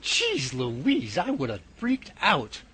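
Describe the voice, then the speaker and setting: A man playing an excitable, folksy Bigfoot researcher in an audio drama, loud and exclamatory in his amazement. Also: a little high, slow pace, a little hiss or hum, full character voice. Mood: astonished. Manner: exclamatory, colloquial.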